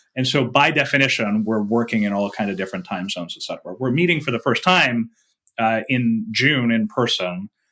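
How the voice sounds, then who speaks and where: A man with a medium-pitched, bright, sharp tone talks at a fairly quick pace with lively intonation. The recording is very clean, with a silent background. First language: French. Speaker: startup founder and CEO. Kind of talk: interview. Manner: halting, many fillers and restarts.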